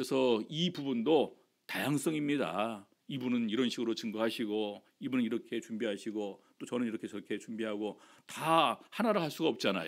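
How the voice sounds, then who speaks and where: Pitch varies in an ordinary way as this man talks. Background silence makes for a very clean recording. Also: medium pitch for a man. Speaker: pastor. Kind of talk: sermon. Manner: fast.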